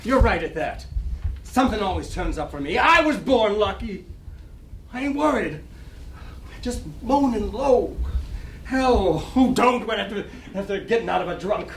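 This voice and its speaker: A man's voice: high-pitched, expressive, a little slow. Echoey, distant man acting a wisecracking small-time gambler. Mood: defensive bravado. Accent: American. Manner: slangy, wisecracking. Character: down-on-his-luck, boastful small-time New York gambler, wistfully grieving. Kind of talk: staged dramatic reading of a play. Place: library reading room. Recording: distant mic, echoey room, noisy.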